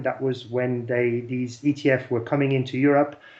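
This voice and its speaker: With a slight French accent, a man speaks in a monotone, flat intonation at a moderate pace and a fairly high pitch. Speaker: company chairman. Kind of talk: interview. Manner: halting.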